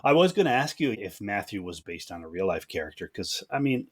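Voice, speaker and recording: Podcast host dude, really low voice, a bit husky, chatty questions. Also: male voice, very animated, brisk. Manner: friendly, chatty, asks follow-ups. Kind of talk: casual interview questions.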